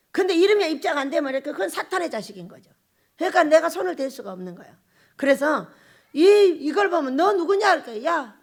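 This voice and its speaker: A woman pastor preaching a sermon in an emphatic, animated way, repeating lines and acting out quotes. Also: high voice.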